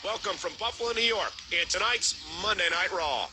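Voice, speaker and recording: A man's voice: high-pitched, expressive, moderate pace, background noise. A man voicing a wrestling commentator in a video game, giving scripted, upbeat broadcast-style commentary. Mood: excited.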